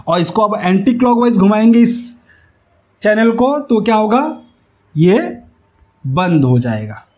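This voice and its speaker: A man's voice: high voice, mellow. A man, explaining step by step like an instructor and often checking that it is understood. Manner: didactic, repeatedly checks understanding. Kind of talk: explanatory whiteboard tutorial. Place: small indoor room with whiteboard. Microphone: lapel mic.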